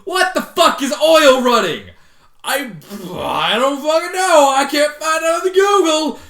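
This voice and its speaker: A bright-voiced reader performs fan fiction theatrically in an echoey room. The pitch swings about a great deal, and the delivery is foul-mouthed and exasperated, stepping out of the story to comment. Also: animated, a little slow. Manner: foul-mouthed, exasperated outbursts between read passages. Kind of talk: comedic dramatic reading of fan fiction with reactions.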